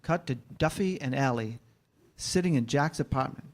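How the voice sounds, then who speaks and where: A man's voice: medium pitch, moderate pace. A man narrating the stage directions of a screenplay at a live staged reading.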